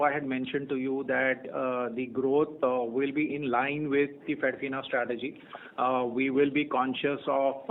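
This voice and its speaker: A man with an Indian accent gives unscripted executive answers on an earnings call, measured and halting, often repeating phrases as he searches for words. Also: mid-range voice. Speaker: company executive answering analyst questions. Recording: tinny narrow-band phone conference line.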